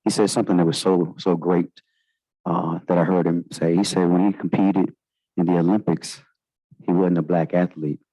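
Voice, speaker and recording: Panelist, male, low voice, Southern African American accent, emphatic and repetitive, close dry sound. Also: level tone, moderate pace, mellow, dry recording, poor audio. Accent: African American English, Southern US. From United States. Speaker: lawyer, panelist. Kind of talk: informal panel remarks to an audience.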